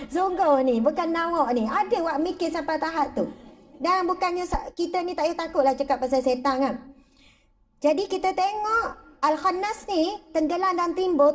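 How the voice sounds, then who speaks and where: A woman religious teacher speaks to a gathered audience in a high, bright-toned voice. She is playful and conversational, often dropping into mock voices to act out her examples. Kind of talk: lively religious talk.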